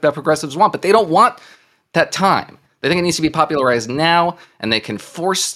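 A man on a political podcast argues forcefully, with a lively pitch that swings high and low. He drives each point home with emphasis. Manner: emphatic, animated argument. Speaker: podcast panelist. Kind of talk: political discussion.

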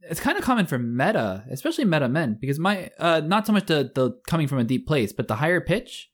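A young man co-hosting a podcast in easy conversation, his voice a bit high and friendly. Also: very animated, fast talker. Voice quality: fairly high-pitched voice. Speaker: podcast co-host. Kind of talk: casual chat.

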